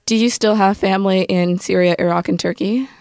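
A woman's voice: mid-range voice, fairly even intonation, fairly quick, a little mellow, no echo, clean studio sound. A woman hosting and interviewing in a conversational presenting style. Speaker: interviewer, show host.

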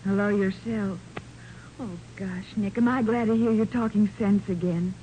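An actress playing a plucky, concerned American detective's assistant in 1940s radio style. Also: female voice, medium pitch, fairly even intonation, moderate pace, mellow, natural voice. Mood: concerned, frank. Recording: noisy old 1940s radio recording.

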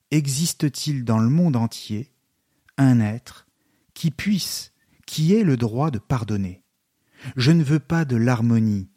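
A man reading aloud the part of a brooding, rebellious young male intellectual, in a quiet, intense voice lower than his narration. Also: husky, dry recording, clean studio sound. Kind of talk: literary reading.

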